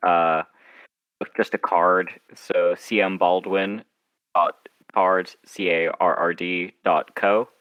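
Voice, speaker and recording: A man chatting casually as an interview guest, halting and self-deprecating as he explains his writing work. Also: fairly low pitch, a bit bright, clear, resonant tone, dry recording, low-quality recording. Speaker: guest author and zine editor.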